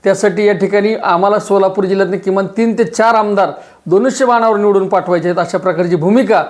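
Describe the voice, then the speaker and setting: A middle-aged man, a local party leader giving a forceful, repetitive press statement. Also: high voice, quick pace.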